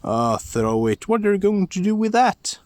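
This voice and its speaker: A man's voice: sits high, sing-song, moderate pace, a little mellow, no echo, voice pushed up. A man voicing scornful older brothers who scoff and sneer dismissively. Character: two scornful older brothers, young men.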